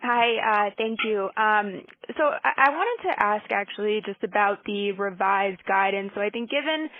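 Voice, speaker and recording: A woman's voice: medium pitch, moderate pace, no room sound. A woman analyst asking a question on an earnings call in tentative, broken-up phrases. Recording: dry, narrow telephone line.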